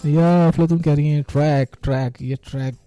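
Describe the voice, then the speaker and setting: A man's voice: a little high, steady tone, moderate pace, warm tone, lo-fi sound. Chatty man hosting online radio. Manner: chatty, affectionate, laughs often, mixes English into speech. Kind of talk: casual radio chat greeting listeners. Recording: faint music underneath.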